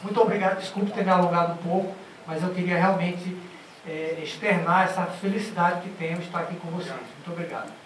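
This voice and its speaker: Man, formal panel speech, halting delivery, distant mic, faint background hiss. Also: high voice, fairly even intonation. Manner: halting, with restarts and filler sounds. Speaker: panel speaker. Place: large conference auditorium. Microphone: handheld mic, seated at a panel table. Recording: echoey hall from far off, faint noise.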